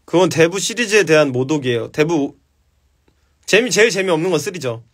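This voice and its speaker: A man's voice: fairly high pitch, expressive, fairly quick. A man hosting a casual live stream, answering viewer questions with blunt, profane advice.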